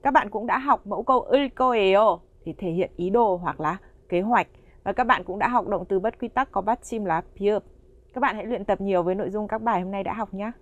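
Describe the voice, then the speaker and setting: A woman's voice: medium pitch, quick pace, dull audio. A woman narrating a language course, addressing learners directly and explaining the lesson in a friendly, explanatory way.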